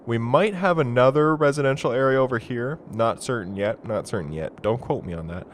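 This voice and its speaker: Excitable young Canadian man, swearing. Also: lowish voice, slight background noise. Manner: excitable, swears freely, talks to himself. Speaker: let's play gamer. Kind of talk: casual gameplay commentary.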